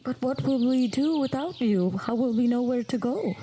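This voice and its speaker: A woman playing a tabletop game, narrating her character casually and haltingly with many filler words. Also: sits high, lively intonation, dark tone, slight background noise. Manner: halting, heavy use of "like".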